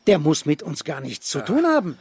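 A man's voice: fairly high pitch, wildly swooping pitch, moderate pace. A man playing a haughty, menacing upper-class hunter in a radio drama, speaking with condescension. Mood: indignant, threatening. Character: arrogant upper-class hunter, menacing, obsessive murder suspect. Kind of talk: German radio drama acting.

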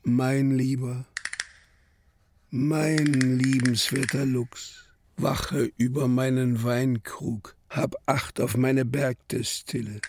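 A man playing a brooding poetic narrator in a literary radio drama, declaiming in deliberate short phrases. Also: medium pitch, steady tone, darkish tone. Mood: incantatory. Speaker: actor reciting poetry.

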